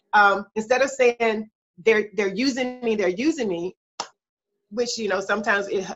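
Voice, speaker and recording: This woman speaks with an American accent in an ordinary speaking voice, her pitch fairly high with ordinary variation. Her pace is moderate. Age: 50s. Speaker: relationship coach. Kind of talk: casual chat.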